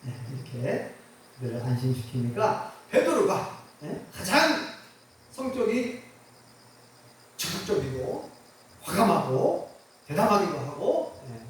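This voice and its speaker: A man's voice: a little high, a little hiss or hum. A man preaching a sermon as a pastor, telling the story vividly, acting out the quoted voices and putting questions to the congregation. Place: church. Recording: echoey hall, mic far off.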